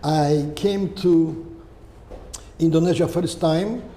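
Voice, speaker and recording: An older Polish-accented man answers questions in a halting, searching way, checking in with "right?" as he goes. His voice sits a little high, yet it sounds soft and mellow. The room rings with a long reverb over a faint hiss. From Poland. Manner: halting, often tagging "okay?" and "right?". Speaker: guest. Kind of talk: conversational interview answers.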